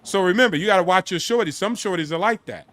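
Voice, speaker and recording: Male host, bright high voice, animated and boastful casual storyteller. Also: fast.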